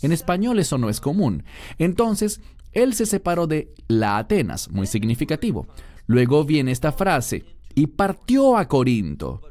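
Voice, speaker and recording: A male Bible teacher walks his listeners through a text in a studio. His pitch moves freely as he stresses key words and poses rhetorical questions. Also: a little mellow.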